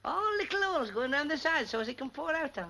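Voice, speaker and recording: An actor playing a naive, cheerful young mill worker, talking in an eager, gormless, giggly comic way. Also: male voice, extremely high pitch, animated, fast, vocal fry, bright, forceful tone, full character voice. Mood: bemused.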